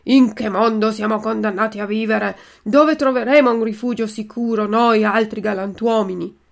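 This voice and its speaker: Woman playing a sly fox con artist, theatrical flattery, storybook villain. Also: fairly high pitch, normal speed, gravelly. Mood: wheedling. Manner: ingratiating, theatrical. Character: sly smooth-talking male fox swindler.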